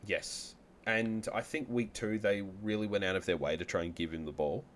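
Deep-voiced man co-hosting a podcast. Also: steady tone, moderate pace, slight background noise. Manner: upbeat, rattles off stats, apologizes for yawning. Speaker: podcast co-host. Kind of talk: casual fantasy football chat.

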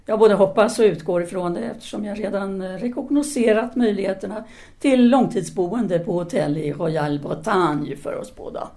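A woman's voice: mid-range voice, warm tone, lightly acted. An actress playing a self-assured, independent-minded French woman teacher in a 1930s audio drama, speaking formally and didactically. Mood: encouraging. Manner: formal, articulate, didactic, with hesitant pauses.

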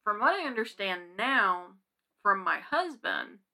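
A young adult woman with an American accent chats casually as a podcast co-host. Her voice is clearly bright, at an ordinary pitch for a woman. She talks informally, working out her thoughts aloud. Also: big pitch swings, measured pace. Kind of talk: casual chat.

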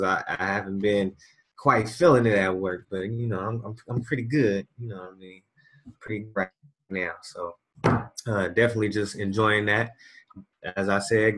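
Low-voiced man teasing on a podcast. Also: a bit bright. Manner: teasing, easygoing, repeats words. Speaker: podcast co-host. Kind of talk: casual podcast chat.

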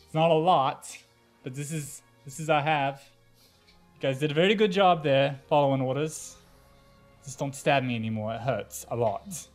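A man's voice: mid-range voice, normal speed. Casual man playing a tabletop game. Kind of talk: casual in-character game play. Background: music.

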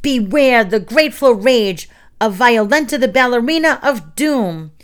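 A woman voicing a bossy, excitable young girl with mock-villain bombast in a children's story. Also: medium pitch, moderate pace, natural voice. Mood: bombastic.

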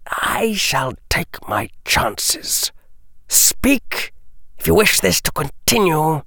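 A man voicing a cold, aristocratic older wizard lord in a soft, slow, whispery drawl, reading an audiobook. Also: fairly high pitch, sing-song, gravelly, breathy edge, dry recording, voice pushed up, exaggerated voice. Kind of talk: audiobook character voice.

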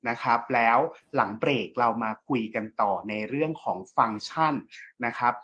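A man's voice: mid-range voice, moderate pace. Guy cohosting a chat show, easygoing, lots of ums, kinda dull lo-fi sound. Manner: relaxed and explanatory, with frequent fillers. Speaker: co-host. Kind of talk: casual discussion podcast.

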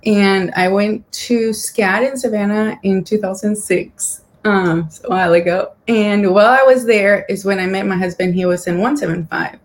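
A woman from Guatemala answering interview questions about her business in a relaxed way, with fillers and light laughs. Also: mid-range voice, moderate pace, few pauses. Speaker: business owner guest. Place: church building.

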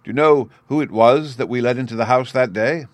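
Man playing careworn young gentleman, anguished, emphatic, dramatic storybook delivery, dry close sound. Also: medium pitch, brisk, dry recording, lightly acted. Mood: urgent. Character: distraught, careworn young gentleman, son of squire.

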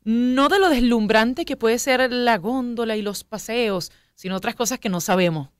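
Woman, radio host, interviewer, slightly high pitch, dry close sound. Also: normal speed, clear, resonant tone, no room sound.

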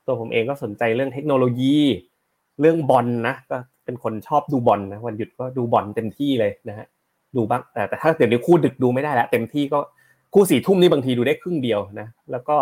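A man hosting a casual live stream about stocks, chatting with viewers and explaining news headlines, slightly short of breath. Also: mid-range voice. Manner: chatty, rambling, reads headlines aloud and explains them. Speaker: host of a stock market live show.

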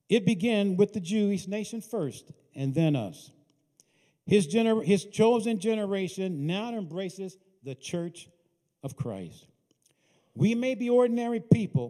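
A male preacher giving a sermon, telling a story dramatically in an emphatic manner that swings between soft and loud. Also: high voice. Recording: reverberant hall.

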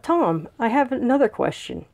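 A woman's voice: fairly high pitch, sing-song, normal speed, dull audio. Woman host asking brief questions. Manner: soft backchannel murmurs, brief questions. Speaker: interview host.

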